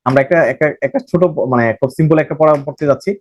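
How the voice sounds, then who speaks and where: A man's voice: a little high, racing, darkish tone, no room sound, lo-fi sound. A man from Bangladesh, giving a recorded banking lecture and repeating phrases as he explains. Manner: explains by repeating phrases, mixing in English terms, self-corrects. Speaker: banking exam tutor.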